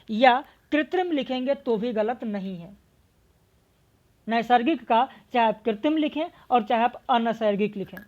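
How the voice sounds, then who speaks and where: A woman with a high voice teaches an exam-prep lesson at an unhurried pace. She poses a question, pauses, then gives the answer herself and repeats it. The recording sounds a little dull and lo-fi. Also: darkish tone. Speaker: Hindi literature teacher.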